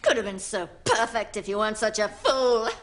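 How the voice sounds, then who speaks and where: A woman's voice: mid-range voice, moderate pace, close to an everyday voice. A woman playing an unmasked murderess in a murder-mystery sketch, speaking as a melodramatic, defiant, unhinged villain. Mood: evil, scornful.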